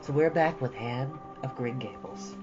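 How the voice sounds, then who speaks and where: A man's voice: mid-range voice, expressive, measured pace, dull audio, over music. A man hosting a storytime channel, speaking casually in an earnest, reflective and encouraging way. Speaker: host of a storytime reading channel. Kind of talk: casual chat and expressive book reading.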